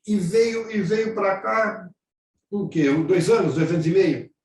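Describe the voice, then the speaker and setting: A man's voice: sits high, steady tone, takes it slowly, a little mellow, distant mic. A man hosting an online interview show, chatty, with rambling questions full of restarts, recorded in an echoey room away from the mic.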